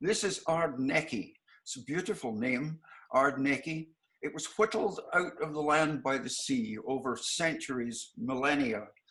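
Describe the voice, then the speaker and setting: A man with a Scottish accent speaks at a fairly slow pace. His pitch is fairly high, and his intonation is lively. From Scotland. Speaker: glass artist. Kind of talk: artist talk with slideshow.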